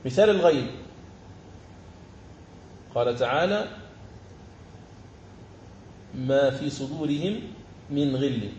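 A man teaching the rules of Quran recitation, explaining each rule and then slowly chanting verse examples. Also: mid-range voice, animated, darkish tone, reverberant, slight background noise. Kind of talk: tajweed lesson with chanted examples.

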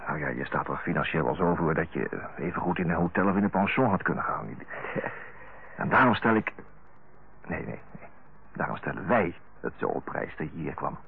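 Earnest middle-aged younger brother, radio play. Very low husky voice, halting and tactful, old tinny broadcast sound. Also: male voice, expressive, exaggerated voice. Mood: hesitant, coaxing. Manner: hesitant, searching, self-correcting. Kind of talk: radio drama acting. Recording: tinny narrow-band old radio recording.

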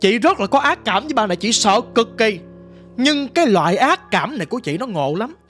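Over soft background music, a woman with a Southern Vietnamese accent tells her ghost story as a guest storyteller. Her slightly high, bright voice is very animated and brisk, and she addresses the listener directly in a vivid, dramatic, casual style.

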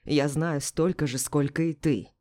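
A weary aristocrat answers in an icy murmur, as a woman narrating a storybook puts him on. The voice stays low, quiet and flat, with a dark, mellow tone. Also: unhurried. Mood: cold. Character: cold, weary aristocratic husband.

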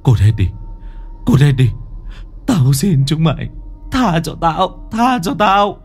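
A man's voice: deep voice, takes it slowly, faint music behind, pitched below the performer's own voice. A man voicing a terrified young village man who stammers and begs the ghosts to leave him alone. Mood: terrified, panicked. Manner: panicked, stammering shouts.

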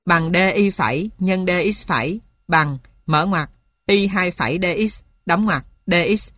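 A woman's voice: lowish voice, fairly bright tone, no room sound. Woman dictating a textbook, very dry recording. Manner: dictating, spelling out formulas and punctuation symbol by symbol. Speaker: reader of a mathematics textbook. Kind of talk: scripted textbook narration.

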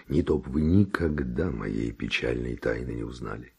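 An actor playing an ardent, reckless nobleman seducer in a classic radio play, declaiming verse theatrically with a gravelly, husky voice. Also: rumbling low, normal speed, full character voice. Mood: passionate pleading.

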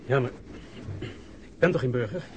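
A man's voice: medium pitch, a little slow, dull audio, noisy background, natural voice. An actor playing a naive, over-eager young policeman who speaks meekly and hesitantly in a radio drama. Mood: meek, apologetic. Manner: hesitant, meek, literal-minded. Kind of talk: Dutch radio drama acting.

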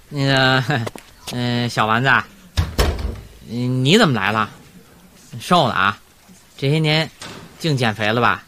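An actor playing a sulky, teasing young grandson with a Beijing accent in a radio drama over background music. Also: male voice, mid-range voice, slow pace, long pauses, noisy background, lightly acted. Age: young adult. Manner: teasing, offhand.

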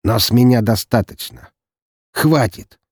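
A man's voice: medium pitch, a little slow, breathy edge, no room sound, clean studio sound, pitched above the performer's own voice. A man voicing a cruel young nobleman's son who talks in a lazy, mocking, menacing way in an audiobook.

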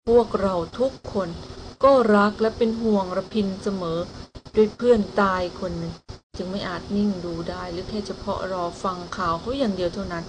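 A woman's voice: mid-range voice, background noise, lightly acted. A woman reading the part of a protective older brother who speaks firmly and plainly.

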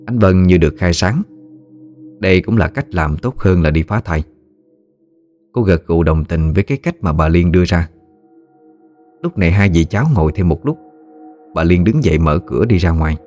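Deep-voiced man narrating a ghost story. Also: moderate pace, long pauses, darkish tone, faint music behind.

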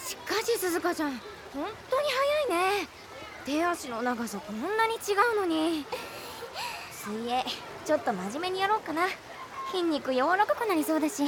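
High, friendly anime youngster. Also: female voice, sing-song, moderate pace, heavy background noise. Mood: playful. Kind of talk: Japanese anime audio drama acting.

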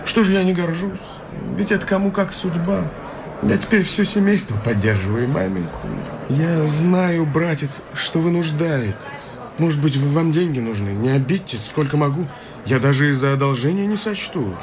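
Smarmy young clerk, kinda high voice, sucking up, hissy old tape. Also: male voice, animated, moderate pace. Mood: condescending. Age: young adult. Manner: ingratiating, wheedling, pushy kindness. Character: young male clerk, fawning and newly prosperous. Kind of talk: radio drama acting. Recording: hissy radio play recording.

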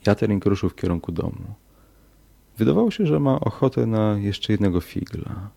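A man narrating a horror story in a slow, measured audiobook reading. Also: fairly low pitch, animated, vocal fry, warm tone.

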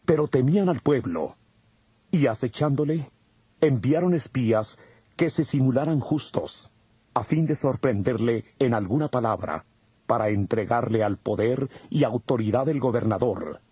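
A man narrating a dramatized audio Bible from a script in a husky, mellow voice. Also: medium pitch, lively intonation, moderate pace, no room sound. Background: music.

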